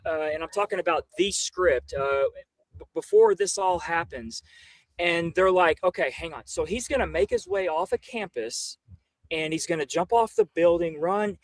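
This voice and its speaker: A man's voice: on the high side, normal speed, dry recording. A man on a livestream panel talking casually in an incredulous way.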